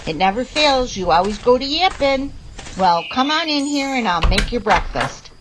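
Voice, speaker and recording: A woman's voice: a little high, animated, moderate pace, heavy background noise, lightly acted. A woman acting a chatty, rustic backwoods woman who scolds and confides in her dog in an audio drama. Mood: folksy chiding. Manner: rustic, chatty, exasperated folksy talk.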